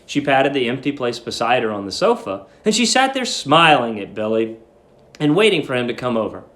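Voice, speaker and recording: A man's voice: medium pitch, very animated, a little fast, fairly bright tone. A man narrating in a dramatic storybook reading style. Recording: roomy echo.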